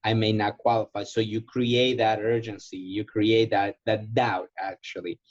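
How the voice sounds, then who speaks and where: Low-voiced man coaching, dull lo-fi audio. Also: little pitch movement, unhurried. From Ecuador. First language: Spanish. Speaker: sales trainer. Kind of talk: informal coaching in a question and answer session.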